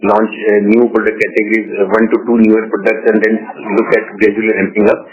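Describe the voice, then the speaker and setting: A man with an Indian accent answering as a company executive on an earnings call, in measured corporate phrasing. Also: lowish voice, little pitch movement. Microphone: conference call line. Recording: dull, lo-fi conference call audio.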